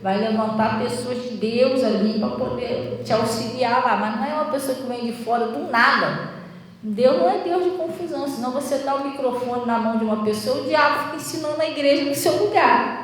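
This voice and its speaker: Brazilian woman pastor, high-pitched, animated storytelling sermon; roomy distant church sound. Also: fairly quick, a little hiss or hum. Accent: Brazilian Portuguese. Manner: animated storytelling, acting out quoted voices, laughing often. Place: church hall. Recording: echoey church hall, voice from a distance.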